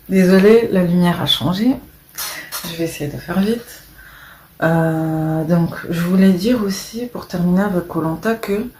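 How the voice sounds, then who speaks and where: A woman chatting casually to camera, rambling and hesitant, often trailing off softly. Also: on the low side, reverberant, slight background noise. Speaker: vlogger.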